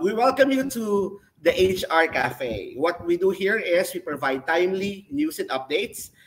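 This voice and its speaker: A man's voice: fairly high pitch, a bit bright, rough recording. A man with a Filipino accent hosting an online HR webinar over a video call, switching between English and Filipino in an announcer-like way. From Philippines. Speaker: host.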